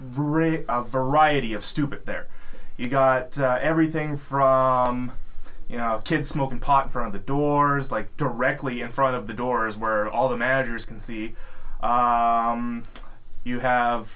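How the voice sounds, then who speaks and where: A man's voice: medium pitch, steady tone, measured pace. A man telling a long work story in a casual chat among coworkers, rambling with many ums and restarts. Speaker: podcast co-host, security guard. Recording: tinny phone-like sound.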